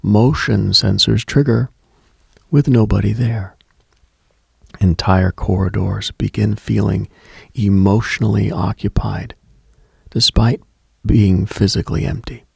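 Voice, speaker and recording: Deep, gravelly man in slow late-night monologue. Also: steady tone, no echo, studio quality. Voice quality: gravelly, husky, breaking into whisper. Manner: hushed, deliberate, storytelling with pauses. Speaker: late-night radio host.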